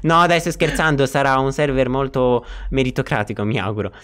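A man hosting a gaming channel, chatting casually with friends while playing, teasing and joking with quick outbursts. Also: medium pitch, steady tone, fairly bright tone, clean tone.

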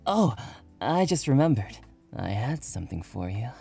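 A woman's voice: a bass voice, sing-song, vocal fry, mellow, husky, faint music behind, heavily acted. A woman voicing a playful, affectionate young man who teases and jokes. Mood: excited. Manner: teasing, drawn-out playful delivery.

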